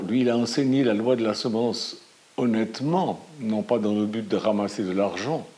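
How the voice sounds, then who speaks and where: Animated Swiss French pastor, low voice. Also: male voice. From Valais, Switzerland. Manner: animated storytelling, emphatic rises. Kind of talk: sermon.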